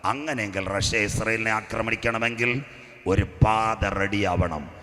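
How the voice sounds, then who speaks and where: A man delivers a sermon in a fairly low voice. He spins a story with acted voices, then builds to loud, shouted declarations. A long hall reverb trails behind every phrase. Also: measured pace. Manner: storytelling preacher, acts out characters, rises to shouting. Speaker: pastor.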